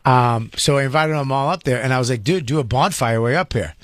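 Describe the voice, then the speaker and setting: A man's voice: mid-range voice, fairly quick, no echo. A man, a comedian co-hosting a podcast, telling loose, profane stories in casual banter with stumbling restarts.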